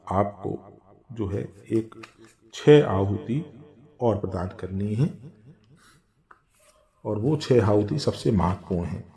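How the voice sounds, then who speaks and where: A man patiently explaining a home fire ritual step by step, with drawn-out chanted mantras. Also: mid-range voice, darkish tone. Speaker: religious instructor.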